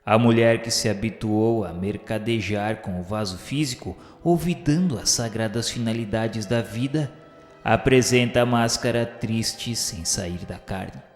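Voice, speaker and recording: An actor playing an earnest spirit pupil who recounts a journey in formal, literary radio drama narration. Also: male voice, fairly low pitch, a little slow, close to an everyday voice. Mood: sombre, descriptive. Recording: echoey hall reverb, music behind.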